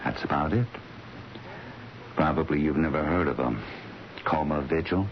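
An actor in a radio drama playing a grave doctor, measured and sombre as he explains. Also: a bass voice. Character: grave, measured male doctor keeping bedside vigil. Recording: dull, slightly noisy radio broadcast.

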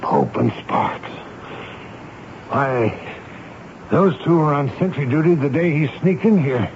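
A muffled, slightly hissy old radio drama recording carries a stern army commander. His voice sits a little high for a man, and he speaks with clipped authority, probing and commanding. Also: expressive, takes it slowly. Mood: urgent, decisive. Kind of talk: 1970s radio drama acting. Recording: muffled, noisy 1970s radio broadcast.

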